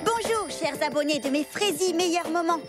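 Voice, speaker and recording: A woman voicing an excitable, boastful young girl who flusters easily, in a French cartoon dub with gushing, theatrical delivery. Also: very high-pitched, moderate pace, loud music behind the voice. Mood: boastful, excited. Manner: gushing, theatrical, hesitant when caught out.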